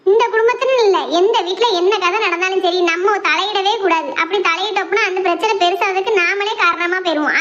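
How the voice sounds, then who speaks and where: Woman doing a squeaky bossy elder sister. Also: fairly bright tone, muffled recording. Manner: chiding, lecturing, talkative. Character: bossy older sister-in-law, lecturing peacemaker.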